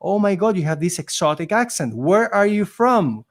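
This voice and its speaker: Guy with an accent, slightly high voice, earnest and emphatic, podcast guest storytelling. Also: animated, moderate pace. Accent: non-native accent in English. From immigrant living in Canada. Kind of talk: conversational storytelling.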